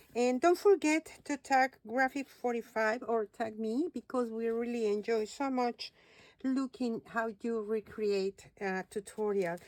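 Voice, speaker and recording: At a fairly slow pace, a woman speaks with a fairly high pitch. The sound is dry and close with no echo, in a very clean recording with a silent background. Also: ordinary pitch variation. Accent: non-native. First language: not English. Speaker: crafting tutorial creator. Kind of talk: tutorial.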